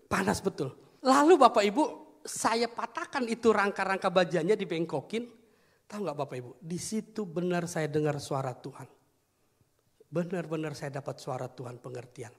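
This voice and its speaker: High-voiced male pastor preaching. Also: moderate pace. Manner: animated storytelling, acts out voices in a story. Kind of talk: sermon. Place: church hall. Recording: long hall reverb.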